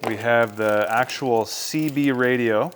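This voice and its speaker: A man's voice: mid-range voice, slow, a little hiss or hum. An American man talking casually to viewers as a vlogger, in an unboxing and how-to style. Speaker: vlogger reviewing a product.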